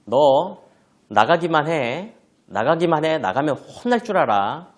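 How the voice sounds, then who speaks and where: A man voicing an angry middle-aged mother scolding her child, loud and raised in pitch. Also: sing-song, unhurried. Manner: loud, shouting-style scolding.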